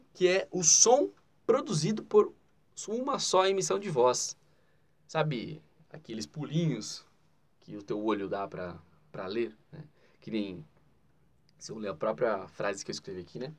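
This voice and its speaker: Brazilian man teaching grammar. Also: medium pitch. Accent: Brazilian Portuguese. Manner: explanatory, with frequent "né?" asides and spoken emphasis. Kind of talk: Portuguese grammar lesson.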